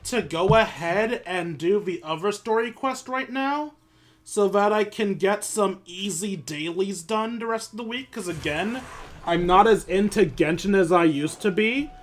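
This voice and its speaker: High-pitched man streaming a video game. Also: a little slow. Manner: informal, swearing, grumbling. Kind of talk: casual livestream gameplay commentary. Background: music.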